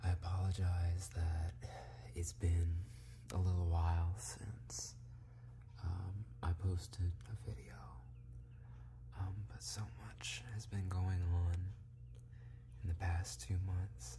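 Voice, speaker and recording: Soft-spoken and calm in tone, a man with a very deep, low pitch talks at a very slow pace. He takes long, frequent pauses over noticeable background noise. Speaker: ASMR creator. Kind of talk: ASMR video intro talk. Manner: soft-spoken, calm.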